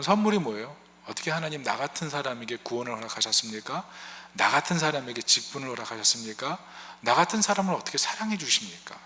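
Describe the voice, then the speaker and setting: A male pastor delivers a sermon in a church sanctuary, and his bright, forceful voice carries with a long reverb around it. He talks to the congregation conversationally, throws out rhetorical questions, and briefly voices the prayers he quotes. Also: medium pitch.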